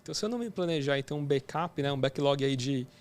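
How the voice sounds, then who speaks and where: A man's voice: mid-range voice, very fast. A man with a Brazilian Portuguese accent explaining how he plans his podcast, speaking in an earnest, explanatory way. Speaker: podcaster, student. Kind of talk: casual chat. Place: bar.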